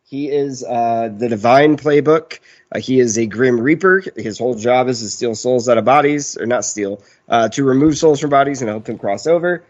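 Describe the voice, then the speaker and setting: A man's voice: mid-range voice, moderate pace, highs cut off. A man in his thirties chatting casually as a podcast player, rambling and joking as he goes. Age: 30s. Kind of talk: casual chat.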